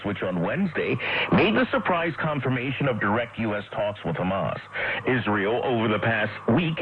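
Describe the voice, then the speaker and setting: A man delivers a scripted radio news report in a formal correspondent's style. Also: on the low side. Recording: dull, noisy shortwave radio broadcast.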